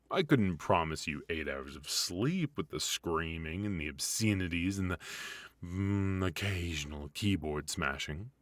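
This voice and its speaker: Casting: male actor as retired supervillain husband for comedy ASMR, very low, slow drawl, teasing and theatrical. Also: no echo, full character voice. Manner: theatrical, drawling, mock-sinister.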